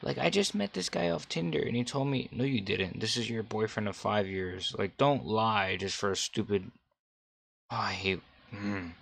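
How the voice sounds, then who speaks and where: Deadpan, low-voiced young man with creak. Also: normal speed. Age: young adult. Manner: deadpan, unimpressed. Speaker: streamer reacting to videos. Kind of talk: casual live reaction commentary. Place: dark small room indoors. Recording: loud noise and clip audio behind.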